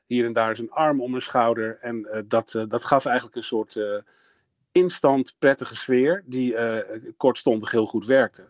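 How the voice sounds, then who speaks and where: A man at medium pitch and a fairly slow pace, with fairly even intonation, in a dry, close sound with no echo and a quiet background. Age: 40s. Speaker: music journalist and columnist. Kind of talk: casual chat. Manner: halting.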